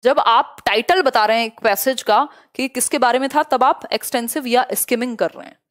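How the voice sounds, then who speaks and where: A young woman teaching English pedagogy in a live online class, mixing Hindi and English. She checks often whether her students follow and reads definitions out slowly. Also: fairly high pitch.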